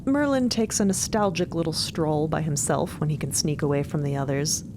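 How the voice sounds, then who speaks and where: A woman's voice: low voice, moderate pace, background noise. A woman co-narrating a fantasy audio story in a scripted storytelling style with light banter. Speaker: podcast co-narrator.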